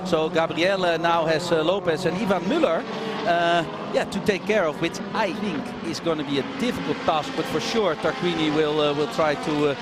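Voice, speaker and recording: A man's voice: fairly high pitch, moderate pace, loud music behind the voice. A man giving live motorsport commentary as a co-commentator, analysing the race in a conversational, hesitant way. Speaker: motorsport co-commentator, racing driver. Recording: very loud car and track noise.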